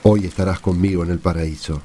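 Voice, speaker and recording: A man's voice: low-pitched, steady tone, fairly quick, warm tone, slight background noise, close to an everyday voice. A man with an Argentine accent playing an earnest, assured apostle testifying to friends in a radio play. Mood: solemn, earnest. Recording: music under the voice.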